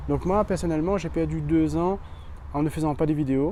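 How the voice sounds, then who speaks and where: Here a man's voice has a dark, mellow tone. His pitch swings very widely. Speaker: entrepreneur and YouTuber. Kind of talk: vlog talking to camera. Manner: halting, many hesitations.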